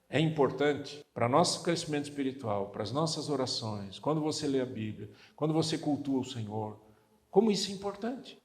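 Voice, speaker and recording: Male pastor with a Brazilian accent, animated sermon with a lively, swinging pitch, recorded in an echoey church hall. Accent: Brazilian Portuguese. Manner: animated preaching, acts out voices of churchgoers and Bible figures; asks the congregation questions. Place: church sanctuary.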